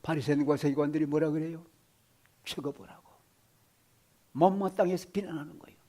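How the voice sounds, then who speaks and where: A male pastor preaching a sermon, swinging from loud exclamations to hushed whispers and asking the congregation questions. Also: high-pitched, big pitch swings, moderate pace.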